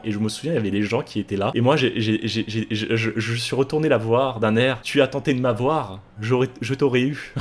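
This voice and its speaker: A man casually telling a funny personal story to his viewers, animated and playful, his pitch leaping up on the punchlines. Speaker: video creator.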